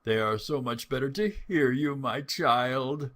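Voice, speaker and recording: A man voicing a large, hungry, wicked wolf who speaks slowly and slyly, with a falsely gentle tone, in a storybook reading. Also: medium pitch, voice pushed up. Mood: menacing. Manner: slow, sly, falsely gentle.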